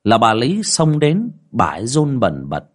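A man narrating a ghost story in a dramatic, expressive way. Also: medium pitch, a little slow. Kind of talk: scripted horror story narration.

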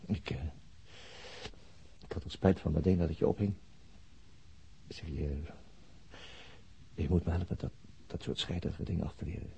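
A man's voice: deep voice, fairly even intonation, moderate pace, vocal fry, long pauses, warm tone. An actor playing a flustered, smitten male police inspector who stammers and repeats his words in a radio drama. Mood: relieved, apologetic. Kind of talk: intimate radio drama dialogue. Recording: dull, noisy old radio drama recording.

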